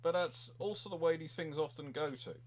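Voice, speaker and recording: This naval history show host, a man with a somewhat high voice and a slightly quick pace, leads a casual panel chat. His explanations ramble and digress, with words often repeated.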